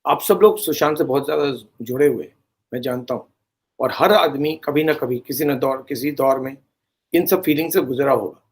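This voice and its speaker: A man's voice: medium pitch, moderate pace. A man giving earnest, pleading commentary to his audience, slipping English phrases into his talk. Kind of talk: earnest direct-to-camera commentary.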